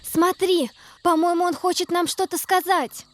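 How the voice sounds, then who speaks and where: A woman's voice: very high-pitched, fairly even intonation, moderate pace. A woman voicing a clever, cautious girl on a quest in a fairy-tale cartoon, earnest and careful. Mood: startled, alert. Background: background music.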